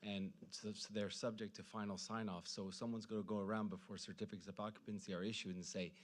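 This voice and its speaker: A man's voice: fairly low pitch, level tone, quick pace. A man explaining a position as an applicant's representative at a public meeting.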